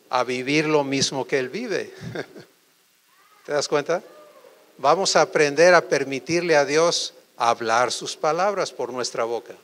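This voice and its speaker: Preacher, higher male voice. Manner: animated, quizzes the audience with quick questions. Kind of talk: sermon to a congregation.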